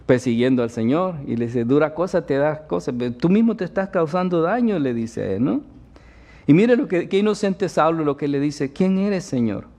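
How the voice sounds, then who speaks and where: A man's voice: a little high, animated, moderate pace, a little mellow. Man preaching, fond of tag questions. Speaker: pastor. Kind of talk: sermon.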